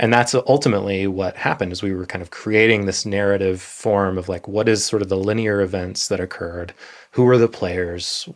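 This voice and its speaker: A man with a plain, everyday voice speaks at a fairly low pitch and a fairly quick pace, keeping his intonation fairly even. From West Texas (Amarillo, Texas Panhandle). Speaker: musician and photographer. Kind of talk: casual interview.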